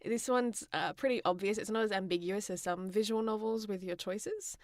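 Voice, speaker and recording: A woman's voice: medium pitch, fairly even intonation, normal speed, no room sound, clean studio sound. An Australian woman co-hosting a podcast, chatting casually about games in a giggly, chatty manner. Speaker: podcast co-host. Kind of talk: casual gaming chat.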